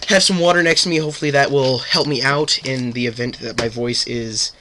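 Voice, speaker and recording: A man's voice: mid-range voice, fairly even intonation, fairly quick, bright, forceful tone, slight background noise. A man with a cold reading a fan story aloud in a casual way, sometimes stumbling over words. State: sick with a cold. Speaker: fanfiction reader.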